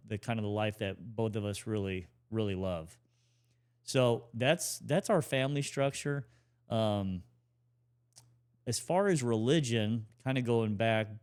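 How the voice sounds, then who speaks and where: A man in his forties co-hosting a family podcast, talking in a relaxed, rambling way with restarts. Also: on the low side, clear, resonant tone. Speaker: podcast co-host. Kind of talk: casual conversational talk.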